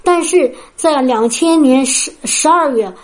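A woman's voice: high-pitched, measured pace. A woman from China preaching a sermon. She tells her own testimony in an earnest, storytelling way and speaks directly to her listeners. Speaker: preacher at a healing prayer meeting.

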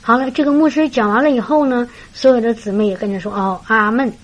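A woman preaching through a lively story, chatty and full of fillers. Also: fairly high pitch, quick pace, dull audio. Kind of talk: storytelling sermon.

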